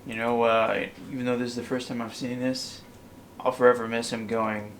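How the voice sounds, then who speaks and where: Gravelly man in casual comedic chat. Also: mid-range voice, level tone, moderate pace, a bit bright. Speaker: co-host. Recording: faint background noise.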